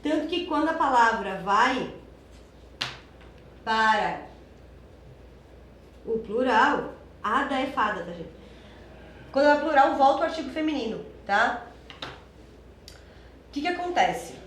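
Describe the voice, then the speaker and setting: A woman's voice: sits high, lively intonation, slow, pauses often, a bit bright, a little hiss or hum. Chatty woman teaching a lesson, echoey room. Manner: chatty, explains step by step with frequent "tá?". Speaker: Spanish teacher. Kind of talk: exam-prep lesson.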